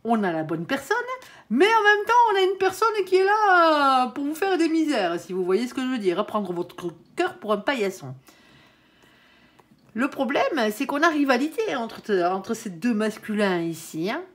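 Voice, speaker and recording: Chatty lady doing a tarot reading, voice bouncing up and down a lot, kinda high, keeps saying hein. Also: sing-song, normal speed. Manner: addresses viewers and her angel directly. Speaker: tarot reader. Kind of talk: casual tarot card reading.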